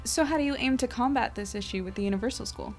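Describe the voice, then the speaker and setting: A woman's voice: fairly high pitch, fast, faint music behind, natural voice. A woman playing a polite, inquisitive and slightly awkward reporter in an audio drama, asking questions tentatively. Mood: curious, businesslike.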